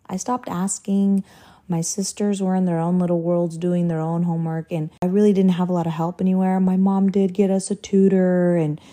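A woman's voice: fairly low pitch, level tone, moderate pace, warm tone. A woman in her thirties, a podcast host whose first language is Portuguese, speaking candidly and emotionally about her life. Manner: candid, emotional, occasionally laughing at herself. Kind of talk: personal reflective monologue.

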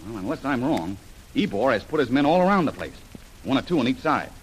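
A man's voice: medium pitch, big pitch swings, fairly quick, slight background noise, lightly acted, poor audio. An actor playing a bold, confident male jungle adventurer who takes charge in an old radio serial.

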